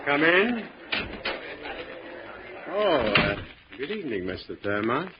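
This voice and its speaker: An actor playing a hard-nosed, shrewd gambling club boss in 1940s radio drama style, with tough slangy talk and a coolly threatening edge. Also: male voice, a little high, sing-song, slow pace, very noisy. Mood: cool, firm. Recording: muffled vintage radio recording.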